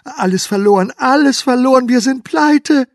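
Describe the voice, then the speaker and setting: An older man in his eighties with a husky voice, playing a jobless man panicking over shares in a cabaret story. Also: expressive, a little fast, darkish tone, no room sound, clean studio sound. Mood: panicked. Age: 80s. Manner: fretful muttering, panic rising to high cries.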